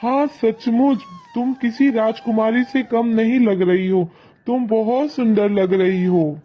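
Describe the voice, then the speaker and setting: Brief: a man playing a sweet, humble village girl for a cartoon story, soft and unhurried, muffled lo-fi audio. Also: high voice, fairly even intonation. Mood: gentle. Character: kind, gentle poor young girl. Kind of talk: animated storybook narration. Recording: dull lo-fi audio, faint music.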